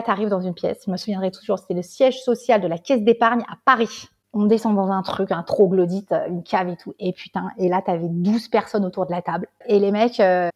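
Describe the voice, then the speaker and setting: Brief: lively, rapid-fire woman guest, high-ish voice, casual and swearing, podcast mic. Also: muffled recording. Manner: animated, swears casually, keeps saying "tu vois". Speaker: guest, tea salon founder. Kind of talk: casual interview storytelling.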